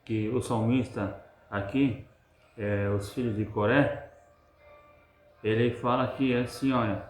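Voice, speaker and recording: A man's voice: medium pitch, fairly even intonation, slow, faint music behind. Man preaching. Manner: repetitive, emphatic, asks rhetorical questions. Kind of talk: sermon. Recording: roomy echo.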